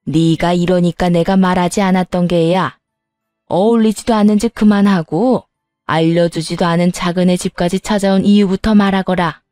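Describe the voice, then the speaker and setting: Woman doing a stubborn grandmother, low and mellow, scolding in an old-fashioned way, dry close sound. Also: steady tone, normal speed, no room sound, faint music behind, natural voice. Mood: stern. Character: older mother-in-law, stern and stubborn.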